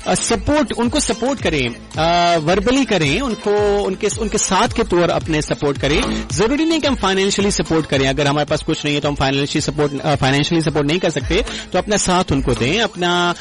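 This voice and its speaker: High-voiced male radio host, courteous. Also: expressive, soft background music. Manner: courteous, addresses listeners formally, slow with drawn-out hesitations. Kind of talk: radio call-in chat with moral advice.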